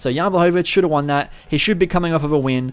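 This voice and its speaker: An animated man with an Australian accent and ordinary pitch variation, music in the background. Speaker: MMA commentator / YouTuber. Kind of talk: solo fight breakdown commentary. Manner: casual, swearing.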